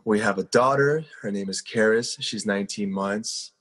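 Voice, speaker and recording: Husky-voiced young pastor man. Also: on the low side, moderate pace, a bit bright. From South Korea. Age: 20s. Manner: earnest, conversational, heavy on fillers. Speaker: pastor and guest. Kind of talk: casual interview storytelling.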